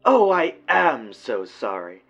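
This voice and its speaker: A man's voice: medium pitch, big pitch swings, takes it slowly, creaky, a bit bright, dull audio, soft background music, full character voice. A man playing a suave psychopathic villain in an audio drama, courteous and mock-polite, with a faint German accent. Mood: gloating, playful. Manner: courtly, mock-polite, teasing tag questions. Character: suave, theatrical psychopathic villain, serenely pleasant kidnapper.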